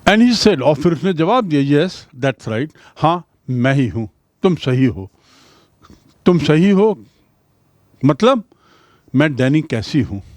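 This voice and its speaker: A male teacher speaks in a slightly raised pitch at an unhurried, deliberate pace, with a dry and close sound. He reads English sentences aloud slowly and then explains each word, as in a recorded classroom lesson. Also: darkish tone, no room sound.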